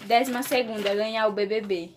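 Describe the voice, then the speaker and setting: A woman's voice: medium pitch, steady tone, fairly quick, noisy background. A woman acting as producer, reading out quiz questions in a brief, matter-of-fact way.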